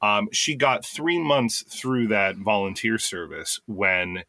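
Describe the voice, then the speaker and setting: A man co-hosting a podcast as a game master, telling lively stories. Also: fairly low pitch, takes it slowly, dry recording. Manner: lively storyteller, animated and joking. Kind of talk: casual podcast chat.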